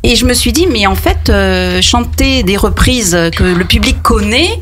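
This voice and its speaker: A woman's voice: mid-range voice, animated, a little slow, background noise. A middle-aged woman, a singer and songwriter, talking in a radio interview with many fillers and restarts. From France. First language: Italian. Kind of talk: radio interview, personal anecdotes. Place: radio studio.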